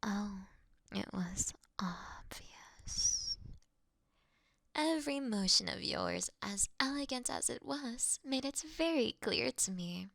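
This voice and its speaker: A woman acts out an age-old, aristocratic vampire mistress in an intimate audio drama. She speaks slowly and softly, in a breathy near-whisper edged with vocal fry. Her diction is elegant and formal, charming and teasing with a gently commanding temper. The sound is dry and close. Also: a little high, lively intonation, dry recording, heavily acted. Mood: seductive, curious.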